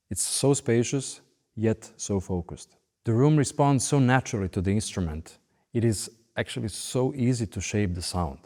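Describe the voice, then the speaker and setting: Interviewed in a large recording hall with long reverb, a late-thirties orchestral violinist from Belgrade, Serbia, speaks in short, measured phrases. He has a Serbian accent and a medium-pitched, dark-toned voice.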